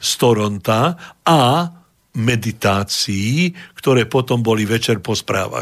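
On a very clean recording with a silent background, a man speaks at a fairly slow pace and a medium pitch, with ordinary pitch variation and long, frequent pauses. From Slovakia. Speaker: Lutheran pastor and emigrant. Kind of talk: interview.

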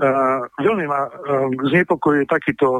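A man's fairly high voice with a bright, sharp tone, fairly even intonation and a moderate pace, in a dry, close sound with no echo and a quiet background. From eastern Slovakia. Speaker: caller. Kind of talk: phone-in comment.

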